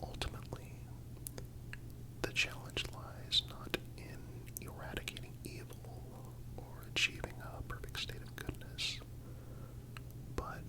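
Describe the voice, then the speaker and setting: An ASMR narrator who whispers throughout at a slow, deliberate pace. The delivery is soothing and scripted, with a breathy, unvoiced texture and careful, measured phrasing. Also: poor audio.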